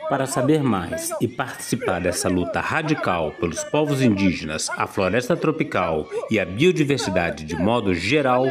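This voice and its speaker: A man reads a calm, scripted sign-off in a lowish voice that still rises and falls a good deal. A crowd is clearly heard behind him. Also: normal speed, hardly any pauses. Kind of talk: scripted outro.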